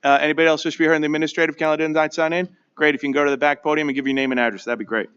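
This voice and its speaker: Man, town supervisor, chairing a public meeting, quick pace, muffled lo-fi recording. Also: fairly high pitch, little pitch movement, a bit bright, clear, resonant tone. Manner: brisk, informal and friendly. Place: town hall meeting room. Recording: dull lo-fi livestream audio.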